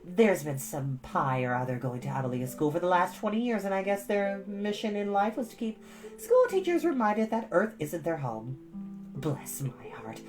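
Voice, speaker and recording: Stout older busybody played by a woman reader: folksy, emphatic, swooping pitch, guitar music underneath. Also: animated, moderate pace, a little mellow, natural voice. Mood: gossipy, emphatic. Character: stout, bossy, gossipy older village woman. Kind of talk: storybook character voice.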